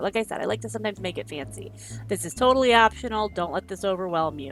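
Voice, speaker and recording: Music plays behind a woman who speaks with a Michigan accent. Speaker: writer and blogger. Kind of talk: casual talk to camera, craft tutorial. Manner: casual, self-deprecating.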